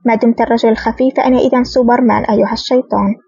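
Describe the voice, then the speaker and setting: A woman's voice: on the high side, fairly even intonation, very fast, gravelly, warm tone, breathy edge, dry recording. A woman reading the lines of a sly, sarcastic male hitman in an audiobook, voiced close to her own tone. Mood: mocking. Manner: sneering, sarcastic. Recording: dull lo-fi dry recording.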